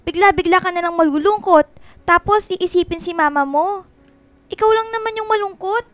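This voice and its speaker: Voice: very high-pitched, moderate pace, fairly bright tone, no room sound. A performer voicing a flamboyant, witty gay best friend in a radio drama, with sassy, dramatic, slangy banter. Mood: teasing, exasperated.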